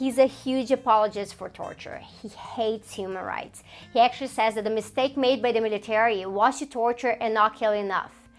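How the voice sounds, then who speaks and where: Over music in the background, a woman with a Brazilian Portuguese accent talks at a fairly quick pace with a fairly high pitch and fairly even intonation. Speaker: sociologist, political commentator. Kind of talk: political commentary to camera.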